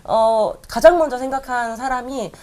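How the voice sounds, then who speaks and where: A woman's voice: fairly high pitch, normal speed, darkish tone. A woman sharing an emotional personal testimony as a guest on a Christian talk show. She tells her story vividly and acts out the voices she remembers.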